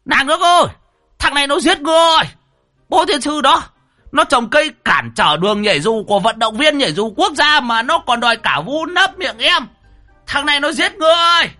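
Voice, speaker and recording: A man's voice: expressive, moderate pace, pushed and bright, faint music behind, full character voice. A man voicing a panicky, crude old man who yelps and curses in comic storytelling. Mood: panicked shrieking. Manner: shrill yelping cries and curses.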